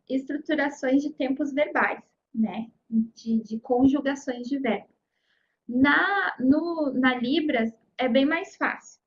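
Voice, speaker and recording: Female teacher, high pitch, explanatory lecture tone, dull lo-fi recording. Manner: explanatory, frequent "né?" and "tá?" check-ins. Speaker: sign language teacher.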